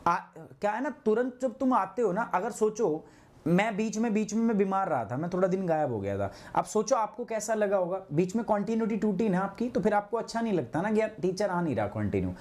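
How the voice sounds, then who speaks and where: A man's voice: high-pitched, expressive, fairly quick, darkish tone. Scolding, chatty male online teacher. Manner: chatty and scolding, mixing Hindi and English, often saying "ठीक है". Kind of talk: live online class lecture.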